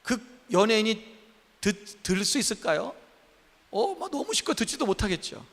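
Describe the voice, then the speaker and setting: High, lively pastor in a reverberant hall. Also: male voice, moderate pace, gravelly. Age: 50s. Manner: emphatic, asks the congregation many questions. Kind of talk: sermon. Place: church sanctuary.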